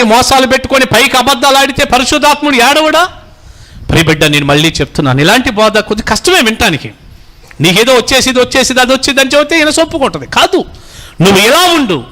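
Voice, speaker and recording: A man's voice: extremely high pitch, sharp tone. A pastor in his forties preaching a sermon, fatherly and exhorting, calling his listeners children and having them repeat phrases.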